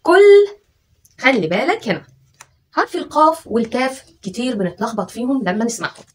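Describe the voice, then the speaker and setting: Sing-song and a bit bright yet husky, this woman's voice sits on the high side as she teaches children spelling and dictation. Her Egyptian Arabic accent shows as she patiently coaxes them, slowly stretching syllables and sounding each letter in turn.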